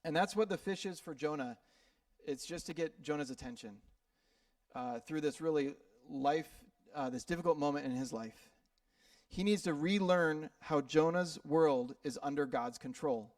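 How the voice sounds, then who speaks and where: A man's voice: on the high side, moderate pace, a little mellow, no room sound, clean studio sound, recorded from a distance. A man from Minnesota preaching a sermon in a church, talking in a loose, conversational way with fillers and repeated words. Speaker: pastor. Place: church sanctuary.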